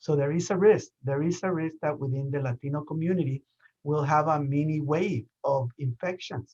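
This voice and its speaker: Somewhat breathy, with a Nicaraguan accent, the voice moves at a moderate pace with fairly even intonation, and the sound is dry and close with no echo. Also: man, fairly high pitch for a man. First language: Spanish. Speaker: physician. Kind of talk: press briefing remarks. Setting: video call. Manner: halting, many repetitions.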